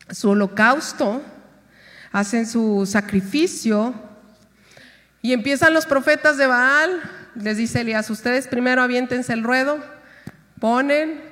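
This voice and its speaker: A woman's voice: a little high, a bit bright. A woman pastor preaching a sermon, retelling a scripture story and acting out its voices. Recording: long reverb of a hall.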